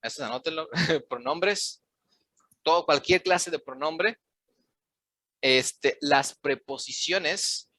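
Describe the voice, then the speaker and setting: Bright-voiced man teaching a class. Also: a little high, slow pace, pauses often, dry recording. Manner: switches between Spanish explanations and simple classroom English. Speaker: English teacher. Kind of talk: online class instruction.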